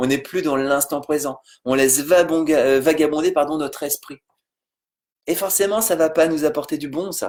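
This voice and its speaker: Long, frequent pauses break up a man's moderate pace. His fairly high pitch carries fairly even intonation. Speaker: life coach. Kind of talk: live stream Q&A and motivational talk. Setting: live video stream from home during lockdown.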